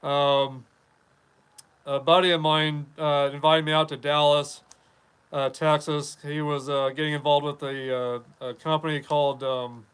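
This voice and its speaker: A man's voice: fairly high pitch, little pitch movement, a little slow, a bit bright, clean tone. A man in his fifties from Wyoming, hosting a casual live podcast, rambling and chatting as he reads viewer comments. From Wyoming, USA. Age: 50s. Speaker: podcast host. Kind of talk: casual live-stream chat.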